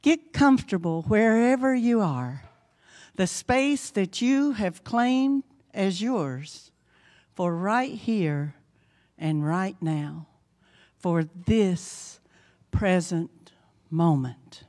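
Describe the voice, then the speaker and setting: A woman minister leading a guided meditation in a hushed, soothing, deliberate way, leaving long pauses between short phrases. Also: mid-range voice, expressive. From United States. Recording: long reverb, music behind. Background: instrumental meditation music.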